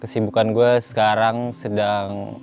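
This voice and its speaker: A man, talking in a reflective, measured way. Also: lowish voice, level tone, darkish tone, faint music behind. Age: 20s. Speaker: panel guest. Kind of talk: casual conversation.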